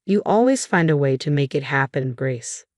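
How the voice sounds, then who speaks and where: A woman's voice: sits low, lively intonation, moderate pace, a little mellow, no echo, clean studio sound. A woman voicing a biting, sarcastic husband. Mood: offhand. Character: curt dismissive husband, grown man.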